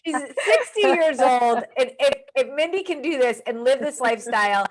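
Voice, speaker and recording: A woman's voice: high-pitched, animated, moderate pace. A woman hosting an interview, coaching and praising her guest in an effusive, emphatic, encouraging way. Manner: gushing, emphatic.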